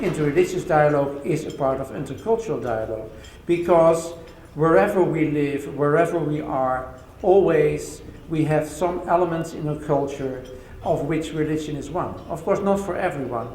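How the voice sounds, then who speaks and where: A man speaks with a non-native accent at a fairly high pitch. Audible room echo surrounds his voice. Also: ordinary pitch variation, moderate pace. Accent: non-native English speaker. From Netherlands. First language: Dutch. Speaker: theology professor. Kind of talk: keynote speech. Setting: dinner event with audience. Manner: some hesitations and fillers.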